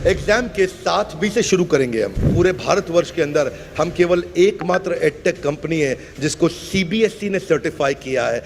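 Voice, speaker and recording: A man giving a loud promotional stage speech, rallying the audience with rhythmic slogans. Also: on the high side, lively intonation, normal speed, gravelly, hardly any pauses. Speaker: speaker pitching an education program. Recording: loud crowd and noise behind. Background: loud crowd and noise.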